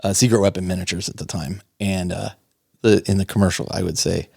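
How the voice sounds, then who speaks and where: An enthusiastic man co-hosting a hobby podcast, his voice sitting a little low. He rambles, restarts, and laughs often. The sound is close and dry. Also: steady tone, a little fast, creaky, a little mellow, breathy edge, dry recording. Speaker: podcast co-host. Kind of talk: casual hobby podcast chat.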